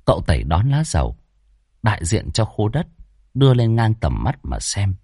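Expressive male storyteller, dry close sound. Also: fairly low pitch, moderate pace, breathy edge, no echo. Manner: lively, expressive telling. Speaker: narrator. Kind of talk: storytelling narration of a ghost tale.

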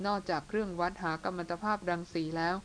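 A woman voicing an excitable young male army officer who talks in a boisterous, laughing, crude way. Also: on the low side, fast, slight background noise, close to an everyday voice, rough recording. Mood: gleeful.

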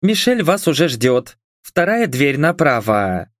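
A man's voice: on the high side, big pitch swings, unhurried, no echo, clean studio sound. A man voicing a polite, slightly apologetic young female office receptionist in a storybook. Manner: courteous, apologetic.

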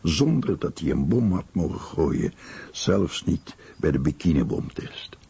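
A man speaking a translated account in a radio documentary, with a gravelly, husky voice. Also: a bass voice, sing-song, a little slow, warm tone, no echo. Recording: dull, muffled lo-fi audio.

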